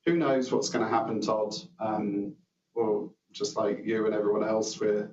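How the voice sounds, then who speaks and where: A man's voice: lowish voice, steady tone, measured pace, a little mellow. Exec guy on an earnings call, careful answers, echoey and far from the mic. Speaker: company executive answering analysts. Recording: dull, roomy conference call, distant mic.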